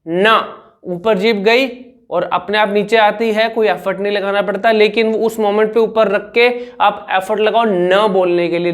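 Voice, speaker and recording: High-voiced man teaching speech sounds. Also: fairly bright tone. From India. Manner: demonstrates sounds by repeating syllables. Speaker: speech coach. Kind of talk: speech therapy lesson.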